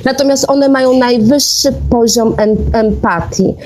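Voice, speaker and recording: A woman's voice: on the high side, a little slow, a little mellow. A woman chatting casually and giving her opinions as a guest calling in to a radio show. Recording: clearly noisy call with clicks.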